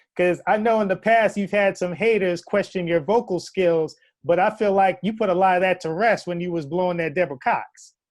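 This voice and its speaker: Over a quiet background, a man with a high pitch and fairly even intonation speaks at a fairly quick pace with hardly any pauses. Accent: American. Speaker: music industry interviewer. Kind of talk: interview.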